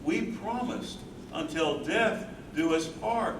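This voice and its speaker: A man's voice: high-pitched, takes it slowly, recorded from a distance, a loud crowd. A man playing an earnest, grieving older husband who cares for his wife, in a dramatic staged play reading. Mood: guilty, sorrowful. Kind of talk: staged play reading, first-person narration. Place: live staged reading in echoey room. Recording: roomy, noisy stage recording from afar.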